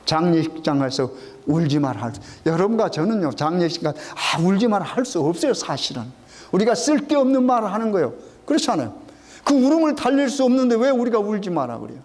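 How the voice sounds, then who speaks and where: A middle-aged man preaching a sermon as a pastor, asking the congregation questions and answering them himself, and repeating key phrases slowly. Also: high voice, a little mellow.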